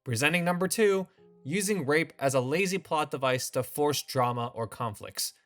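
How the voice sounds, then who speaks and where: Lively, wry male commentary host. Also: fairly high pitch, normal speed, faint music behind. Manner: opinionated, wry and sarcastic. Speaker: video essay host. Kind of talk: scripted commentary.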